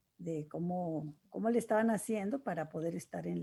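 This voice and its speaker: Speaking in a Mexican accent, a woman with a somewhat breathy, dark, mellow tone and fairly low pitch keeps a moderate pace with ordinary pitch variation. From Mexico. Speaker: voice actress. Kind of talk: interview. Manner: casual.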